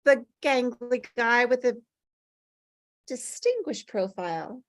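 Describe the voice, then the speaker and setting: Woman acting coy, highish-voiced lady in white. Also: expressive, slow, dry recording. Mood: breathless, innocent. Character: eerie woman in white, coyly innocent, needling ghost. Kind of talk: scripted table read.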